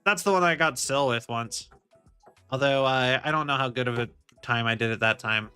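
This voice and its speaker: A man's voice: medium pitch, normal speed, sharp tone, clean tone, soft background music. A young man streaming as a VTuber, chatting casually and rambling, often circling back with "like I said". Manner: rambling, repeats "like I said".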